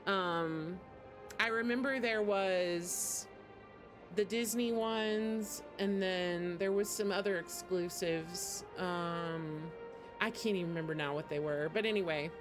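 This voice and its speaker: A woman's voice: on the low side, slow, music in the background. A woman game streamer with a rambling, giggly manner, chatting casually over gameplay.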